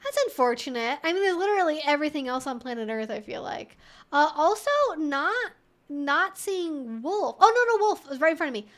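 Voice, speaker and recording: A woman's voice: high-pitched, lively intonation, a little fast, fairly bright tone. A woman hosting a live Q&A stream, thinking aloud in an informal, chatty, wry and opinionated way.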